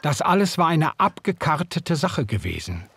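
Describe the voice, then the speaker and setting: A lively-voiced storyteller. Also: male voice, on the high side, creaky, husky, no room sound, full character voice. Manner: measured, old-fashioned storytelling. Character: young German man recalling the past. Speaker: first-person narrator. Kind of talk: scripted audiobook narration.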